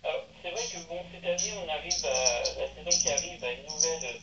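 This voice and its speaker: A man interviewing a footballer for a web radio, asking long, halting questions full of fillers and restarts. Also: a little high, fairly bright tone. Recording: distant, roomy, dull and hissy.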